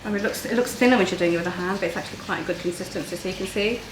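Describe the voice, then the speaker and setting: A woman in her thirties talks quickly and practically as she walks through a recipe in her home kitchen. Her voice is mid-pitched, and the camera mic catches a fair bit of room echo and faint ambience. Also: noisy background. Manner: practical, explains steps plainly. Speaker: guest cook. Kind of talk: casual cooking demonstration.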